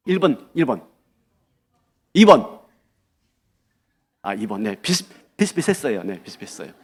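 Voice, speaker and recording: Male pastor, sermon, lively questioning delivery, fairly high voice. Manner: animated, asks the congregation questions.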